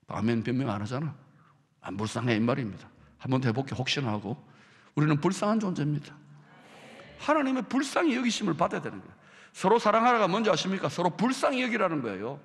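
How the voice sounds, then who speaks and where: A male pastor with a Gyeongsang accent preaching a sermon, swinging from hushed lines to loud ones. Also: a little high, long reverb tail. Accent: Gyeongsang Korean. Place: church sanctuary.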